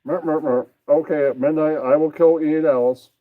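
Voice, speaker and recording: A man's voice: a little high, steady tone, moderate pace, dry recording, narrow, tinny audio, natural voice. A man voicing a dim, whiny, doubtful henchman puppet who babbles a muttered catchphrase, in amateur puppet comedy. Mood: compliant.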